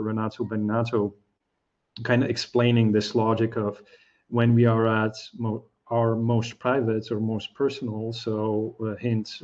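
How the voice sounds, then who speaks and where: A man's voice: on the low side, darkish tone, lo-fi sound. A man whose first language is Slovak, speaking as a guest in a casual expert discussion and thinking aloud with many restarts. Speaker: guest analyst.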